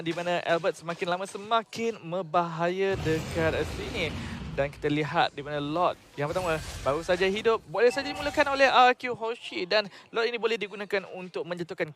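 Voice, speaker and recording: Esports caster: Malaysian male, high-pitched voice, animated announcer delivery, live match calls and analysis.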